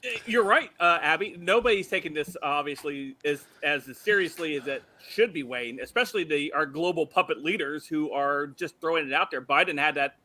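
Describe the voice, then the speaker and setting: Guy hosting a podcast, high voice, super bright and sharp, punchy and provocative. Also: brisk. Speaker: podcast host. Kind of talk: opinionated show hosting.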